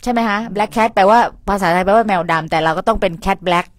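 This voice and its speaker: A woman's voice: mid-range voice, fairly quick, no echo. A middle-aged woman in a casual interview who explains at length and repeats words, sometimes interpreting for the guest. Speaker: pageant organizer and interpreter.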